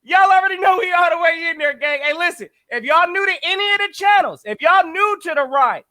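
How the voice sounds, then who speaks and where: Man, podcast co-host, loud shouty hype intros, very high bright voice. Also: lively intonation, brisk.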